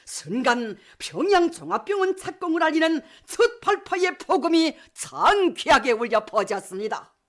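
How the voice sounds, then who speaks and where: A woman's voice: high voice, big pitch swings, moderate pace. A woman with a North Korean accent reading scripted state propaganda news as a television announcer in a fervent, solemn, declamatory manner.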